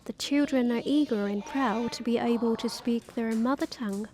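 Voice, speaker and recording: A woman reporter narrating a news feature in a clear, even tone. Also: fairly high pitch, moderate pace. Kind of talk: scripted voice-over narration. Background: music bed.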